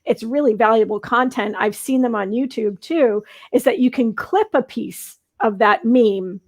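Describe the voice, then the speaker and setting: A woman's voice: fairly high pitch, a little slow. A woman co-hosting a talk show, speaking in a casual panel discussion.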